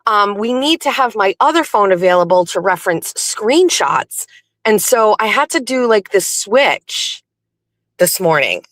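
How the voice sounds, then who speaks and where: A woman's voice: mid-range voice, very animated, slow, fairly bright tone, no echo. Woman, host, scratchy morning voice, chatty and rambling, dry close sound, phone in a car. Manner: chatty, laughing, rambling asides. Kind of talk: casual morning chat while driving. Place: inside a car. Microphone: phone in a car cradle.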